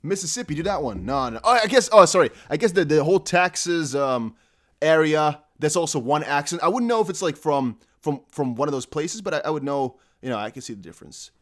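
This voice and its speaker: A man's voice: fairly high pitch, expressive, a little fast, a bit bright. Young guy rambling on his live stream, lots of likes and ums, voice bounces all over. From Netherlands. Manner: rambling, laughs often, many fillers. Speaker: crypto livestream host. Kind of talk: casual live stream chat.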